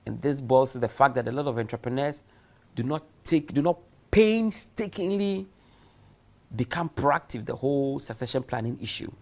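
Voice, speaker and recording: Expressive and at a normal speed, a man's mid-range voice with vocal fry carries a recorded university lecture for distance learning. He is emphatic, poses rhetorical questions, and acts out examples.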